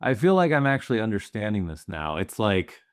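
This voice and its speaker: A man's voice: lowish voice, very animated, fairly quick, clean tone, dry recording, studio quality. A man co-hosting a casual film podcast, easygoing and hedging his points. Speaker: podcast co-host.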